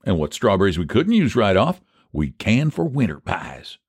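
A man's voice: on the low side, wildly swooping pitch, moderate pace, vocal fry, breathy edge, no room sound, clean studio sound, heavily acted. A man voicing a scheming, homespun rural American pie baker, folksy and persuasive, in a storybook reading. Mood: triumphant.

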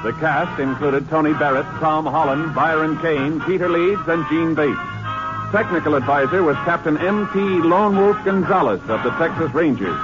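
A male announcer reads in scripted 1950s radio style. His pitch is on the high side. Music plays clearly behind him on a muffled vintage recording. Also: normal speed.

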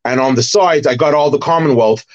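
A middle-aged man from Barbados, a former wrestler and promoter, recalling his career in an animated, detailed way as a podcast guest. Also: medium pitch, fairly quick, lo-fi sound. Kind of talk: casual interview storytelling.

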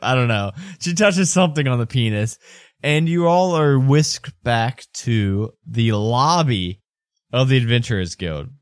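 A man's voice: medium pitch, expressive, a little slow, dry recording. Male game master, close dry sound. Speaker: game master and podcast host. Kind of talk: casual improvised game narration.

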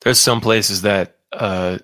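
Super low voiced guy but bright and crisp, chill and easygoing, chatting about gigs. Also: steady tone, slow pace. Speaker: musician co-hosting a live chat. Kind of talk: casual chat.

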